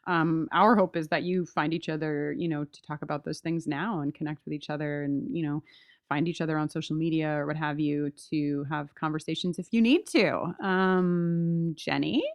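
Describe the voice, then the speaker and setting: A woman co-hosting a podcast in casual, reflective chat, with an earnest, halting, informal way of talking. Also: deep voice, steady tone, smooth, no room sound, muffled recording. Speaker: podcast co-host.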